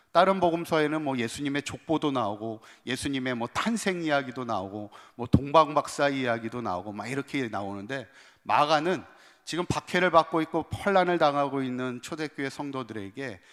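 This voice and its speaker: A man's fairly high-pitched voice, fairly quick and lively in intonation, on a very clean recording with a silent background. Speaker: pastor. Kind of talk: sermon. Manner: conversational.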